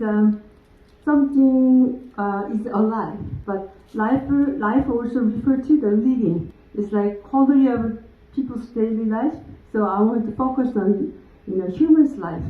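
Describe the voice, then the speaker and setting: A young woman from South Korea with a Korean accent, giving a lecture in English with many fillers and frequent laughs. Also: mid-range voice. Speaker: guest lecturer. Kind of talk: lecture to a live audience. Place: lecture room. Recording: tinny phone-like sound in an echoey room.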